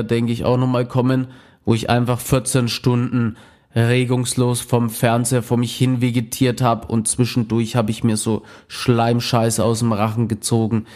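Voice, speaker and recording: A man's voice: medium pitch, darkish tone. A man in casual conversation, talking bluntly and with slang about his past experiences. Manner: blunt, colloquial, with slang and swearing. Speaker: former drug user sharing experience.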